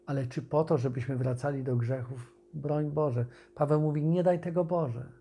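A man preaching an informal video sermon, speaking conversationally with pauses and restarts and reading scripture aloud. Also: a little high, fairly even intonation, warm tone, slightly rough.

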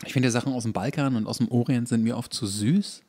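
A man's voice: medium pitch, fast talker, darkish tone. A man talking as a podcast co-host, chatting informally and colloquially with a friend. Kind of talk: casual chat about food with a friend.

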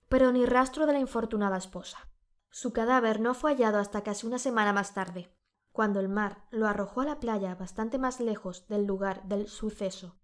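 A woman with a Spanish accent narrating an audiobook, her voice a little strained from a sore throat. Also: on the high side. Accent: Spain Spanish. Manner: measured, steady storytelling.

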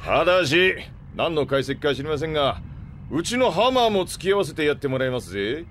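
Grumbling ship captain, swooping delivery. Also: male voice, fairly high pitch, very animated, fairly quick, fairly bright tone, slight background noise. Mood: grumbling, grudging. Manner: grudging, rough colloquial speech. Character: grumbling, gruff but loyal male ship captain. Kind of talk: anime-style audio drama acting.

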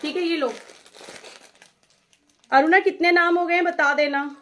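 Chatty high-voiced woman selling sarees live. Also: steady tone, fairly bright tone. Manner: chatty, brisk, reads out viewer names and takes bookings; mixes English phrases into Hindi. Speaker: saree seller on live stream. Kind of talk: live-stream sales chat.

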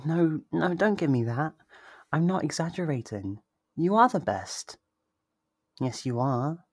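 A man's voice: a little high, very animated, slightly rough, dry recording, exaggerated voice. A man playing a sweet, possessive yandere lover in an intimate ASMR roleplay, tender and reassuring. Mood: affectionate, doting. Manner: tender, reassuring, slow and deliberate.

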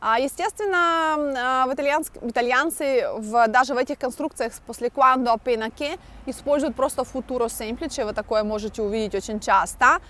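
A young woman with a slightly high voice teaches a grammar lesson outdoors at night through a wired earphone mic. She explains patiently, with frequent hesitation fillers, and drops in Italian example phrases. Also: a little fast, few pauses, a bit bright. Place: outdoors at night in front of a large lit monument.

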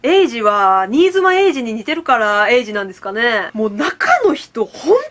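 Excitable high-voiced woman gushing about a game. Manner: excitable, gushing, quick asides and laughs. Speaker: game reviewer vlogger. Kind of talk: casual fan review chat.

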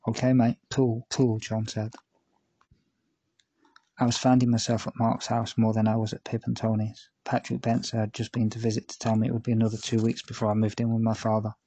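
A man's voice: lowish voice, monotone, brisk, dark tone, no echo. A man reading his first-person true-crime memoir aloud, telling it steadily with dry, self-aware asides. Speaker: audiobook narrator.

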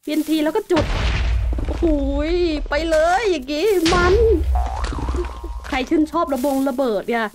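A high-pitched woman gives chatty, excitable commentary while she plays, explaining each step as she goes. Background music plays clearly under her voice. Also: a little slow. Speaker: gaming channel host. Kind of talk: casual game commentary.

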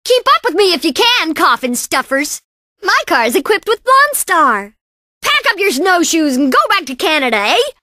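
This is a cocky young girl bandicoot from a racing video game. Her voice is extremely high and bright, swinging animatedly up and down. She sounds perky, sassy and boastful, in full cartoon style. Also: sing-song, moderate pace, dry recording, studio quality, exaggerated voice. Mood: smug, taunting. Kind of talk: video game character voice lines.

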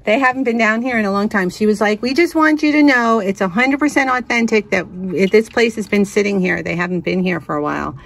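A woman's voice: mid-range voice, a little fast, gravelly, few pauses. A woman vlogging as she sorts vintage jewelry in an antique store, thinking aloud and chatting as she goes. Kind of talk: casual thrifting narration. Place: inside a cluttered antique store.

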